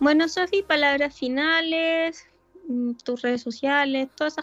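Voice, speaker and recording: A woman with a Chilean accent speaks at a high pitch. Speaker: podcast host. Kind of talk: casual chat.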